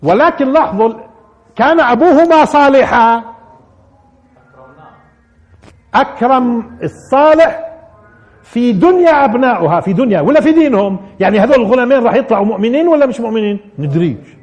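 A man's voice: extremely high pitch, expressive, rapid-fire, a little mellow, husky. A man giving a live religious commentary lesson, repeating key phrases and putting rhetorical questions to his listeners. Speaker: religious teacher.

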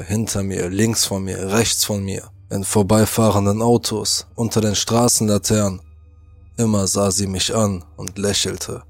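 A man narrates a first-person horror tale in a low, gravelly voice, slow and fairly flat, tense throughout. The recording is dry and close, with faint music playing underneath. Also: no echo. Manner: tense, acts out shouted lines.

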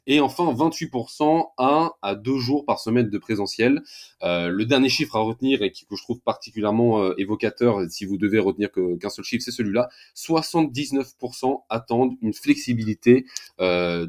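A male host presents the next segment in an even, measured way. His voice sits at a middle pitch and he reads the numbers clearly for the listeners. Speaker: radio host. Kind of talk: radio show presenting.

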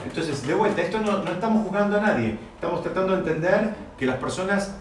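Man, Torah teacher, explanatory, fairly high voice, very echoey room. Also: fast talker. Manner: explanatory, asks the class rhetorical questions. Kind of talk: teaching a class. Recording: very echoey room, distant mic, faint noise.

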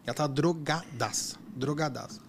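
A man chatting casually, an app driver telling animated stories and acting out the voices in them. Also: on the high side, normal speed, slight background noise. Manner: animated storyteller, acts out quotes. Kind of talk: casual chat.

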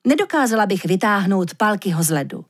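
A woman voicing a small, skeptical female arctic fox who teases in a wry, doubtful way, with a husky voice. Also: medium pitch, very animated.

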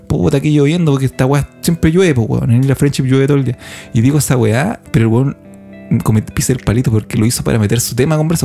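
A man's voice: mid-range voice, creaky, dark tone. A Chilean man co-hosting a podcast in casual chat, joking and teasing with lots of slang. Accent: Chilean Spanish. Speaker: podcast co-host.

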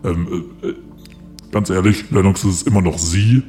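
A man voicing a stern, pedantic God in a comedy podcast sketch, halting and pompous. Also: deep voice, fairly even intonation, warm tone, soft background music, pitched below the performer's own voice, close to an everyday voice. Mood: stern, commanding. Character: stern, pedantic God greeting arrivals in heaven.

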